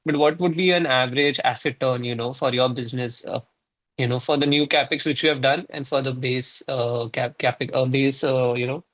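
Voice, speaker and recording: Hesitant man, medium pitch. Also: fairly even intonation, a bit bright. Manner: halting, hesitant. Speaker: investor asking questions. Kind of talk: conference call question.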